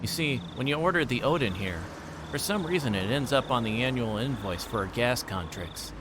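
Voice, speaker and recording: A man's voice: medium pitch, lively intonation, normal speed, background noise, natural voice. A man reading aloud the part of a folksy, self-deprecating older detective in a visual novel, musing to a junior colleague.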